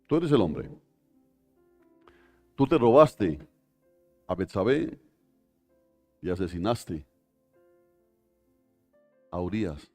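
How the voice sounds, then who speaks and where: A man voicing the prophet Nathan as a grave, accusing figure, speaking slowly and gravely. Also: sits low, sing-song, warm tone, faint music behind, voice pushed down, heavily acted.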